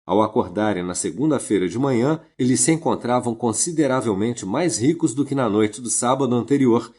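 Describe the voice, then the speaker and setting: A man reading a self-help audiobook in a steady, earnest narration. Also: medium pitch, breathy edge.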